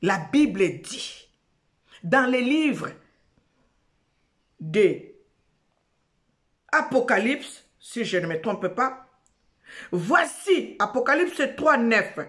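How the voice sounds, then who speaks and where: A woman hosts her own show, speaking in a slow and emphatic way. She repeats herself and restarts phrases as she preaches. Her voice sits a little high. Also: very animated, fairly bright tone. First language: Lingala. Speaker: host of an online show. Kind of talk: preaching talk show monologue.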